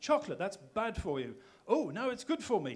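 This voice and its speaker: In an English accent, a man talks at a fairly quick pace with very wide pitch swings, and audible room echo fills the recording. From England. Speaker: conference speaker, food marketing consultant. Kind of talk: conference talk. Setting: stage with audience. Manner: humorous, lively.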